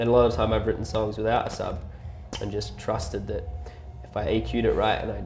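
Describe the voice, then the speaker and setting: With music in the background and audible room echo, a man talks at a fairly quick pace in a New Zealand accent. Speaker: electronic music producer. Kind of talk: casual interview. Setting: green room at a venue.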